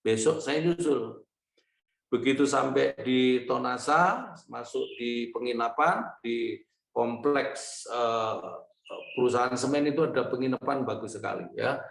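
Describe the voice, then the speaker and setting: An older male pastor delivers a sermon with a gravelly, rough-edged voice, recorded in an echoey room. He tells stories in an animated way, quotes dialogue, and chuckles between points. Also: medium pitch, unhurried. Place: church or online service hall.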